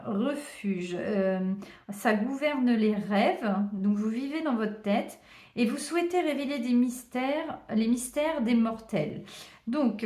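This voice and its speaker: A woman giving a casual tarot card reading to her viewers, chatty and hesitant, often pausing with "euh". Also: mid-range voice. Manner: chatty, warm thanks, many hesitations and small laughs. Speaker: tarot reader. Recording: roomy echo.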